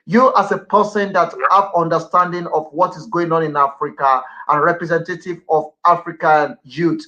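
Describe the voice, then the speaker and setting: Bright-voiced male radio host. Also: on the high side, steady tone, moderate pace, lo-fi sound. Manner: talkative, repeats himself, many fillers. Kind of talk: broadcast interview.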